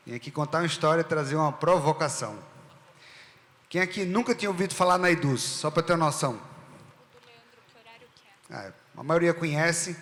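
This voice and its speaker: A man's voice: fairly high pitch, fairly bright tone. A middle-aged man with a Northeastern Brazilian accent from Rio Grande do Norte, telling a story to a live event audience in a conversational way. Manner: conversational, asks the audience questions. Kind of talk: storytelling keynote talk. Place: event stage in a hall. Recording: long hall reverb.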